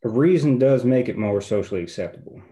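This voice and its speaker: Man playing small-town tough, middle-pitched voice, dry, folksy, cussing, historical drama table read. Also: expressive, quick pace, warm tone, lightly acted.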